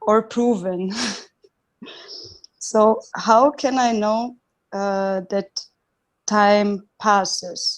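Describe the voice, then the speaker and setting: Speaking at a very slow pace, a woman uses a fairly high pitch with a non-native accent. Her intonation is fairly even. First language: not English. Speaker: satsang participant asking a question. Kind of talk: spiritual question, partly read aloud. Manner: halting.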